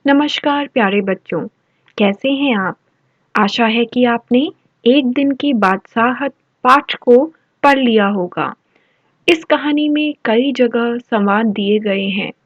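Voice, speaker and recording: Slow, patient woman teacher, lo-fi. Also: a little high, dry recording. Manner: slow, patient, explains word by word. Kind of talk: worksheet lesson for children. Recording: dull lo-fi voice-over.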